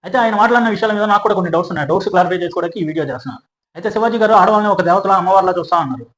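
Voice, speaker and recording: A man's voice: sits high, very fast, fairly bright tone. A man giving a sarcastic opinion commentary, firing off rhetorical questions. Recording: roomy echo.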